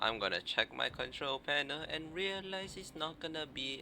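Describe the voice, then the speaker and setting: Soft-spoken with vocal fry, a man talks at a moderate pace in a fairly high pitch with lively intonation. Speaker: game streamer. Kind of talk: live gameplay stream chat.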